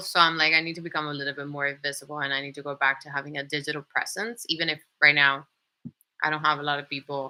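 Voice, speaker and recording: With a Spanish accent, a woman speaks in a very deep, low pitch and a bright, sharp tone with fairly even intonation, on a very clean recording with a silent background. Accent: Spanish accent, noticeable. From Venezuela. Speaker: online talk show host. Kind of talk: solo livestream talk. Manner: casual, conversational.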